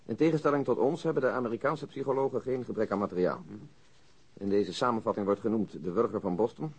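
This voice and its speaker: A methodical police detective in a radio play. His voice is somewhat rough and husky, and he lays out facts in a dry, measured, reciting way. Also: medium pitch, dull audio. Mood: dry, factual. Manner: matter-of-fact, measured, reciting. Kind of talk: radio drama acting.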